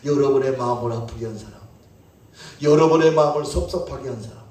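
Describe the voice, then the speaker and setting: A man preaching a sermon as pastor, playful and animated, calling out questions to his congregation. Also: medium pitch, fast talker, distant mic. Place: church sanctuary. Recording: echoey church hall, mic from afar.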